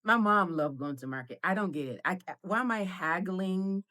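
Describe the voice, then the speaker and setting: A middle-aged woman from Nigeria with an American accent, a guest chatting in an interview, animated and quick to laugh. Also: lowish voice, no room sound, studio quality. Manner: animated, laughs often, repeats words when starting. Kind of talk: casual interview conversation.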